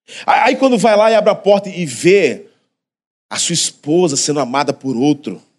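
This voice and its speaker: Speaking at a moderate pace, a man with a high pitch lets his voice swing very widely. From Northeast Brazil, Recife. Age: 30s. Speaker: pastor. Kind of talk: sermon. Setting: church.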